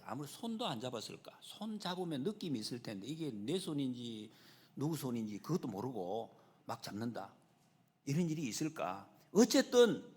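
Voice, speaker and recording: A man preaching in a church, his pitch rising and falling in a lively sweep as he builds his points. His voice carries a slightly husky edge, and a long reverb from the hall trails each phrase. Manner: animated preaching, acts out a quoted figure's shouts. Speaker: pastor. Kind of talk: sermon. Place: church sanctuary.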